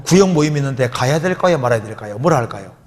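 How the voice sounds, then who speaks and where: A man's voice: medium pitch, expressive, fast, long reverb tail. A man preaching a sermon as a pastor, often asking his listeners rhetorical questions and quoting scripture.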